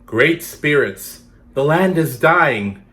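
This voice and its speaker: A man voicing pleading tribal dancers in a storybook, with a drawn-out, imploring chant. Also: fairly high pitch, animated, sharp tone, voice pushed up, heavily acted. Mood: pleading, solemn. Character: line of pleading tribal dancers, solemn and desperate.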